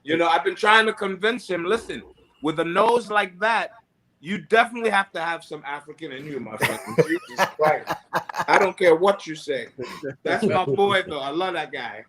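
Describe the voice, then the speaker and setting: A man chatting casually in a wrestling shoot interview, joking and animated. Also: high-pitched, moderate pace, crowd noise. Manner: joking, animated, frequent laughs.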